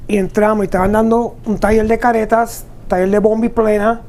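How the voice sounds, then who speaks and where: A man's voice: high voice, little pitch movement, brisk, darkish tone. A man from Ponce with a Puerto Rican accent, a guest artisan on a local TV show. He answers at length and in detail, dropping in English fillers. A faint hiss sits under the recording. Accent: Puerto Rican Spanish. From Ponce, Puerto Rico. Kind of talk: interview answers.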